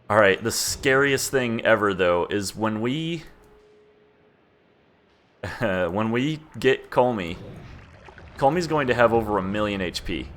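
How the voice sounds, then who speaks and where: A young man streaming a video game, chatting casually in a flat, laid-back monotone. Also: on the low side, a little hiss or hum. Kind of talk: casual gameplay commentary.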